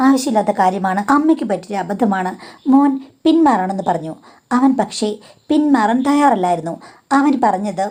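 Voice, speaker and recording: A woman's voice: medium pitch, mellow. Confiding woman telling a confessional story. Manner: confiding, addresses a listener as madam. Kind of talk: first-person confessional story narration.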